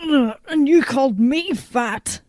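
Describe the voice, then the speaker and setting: A woman playing a cocky half-robot cyborg in an audio drama, teasing in a relaxed, deadpan way. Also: high-pitched, slow, no room sound, clean studio sound.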